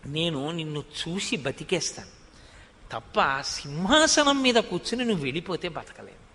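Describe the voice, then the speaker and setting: An old king, grieving and pleading with his departing son, as a preacher tells it in his own voice. The voice is high and bright. It rings with a long hall reverb. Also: sing-song, moderate pace, full character voice.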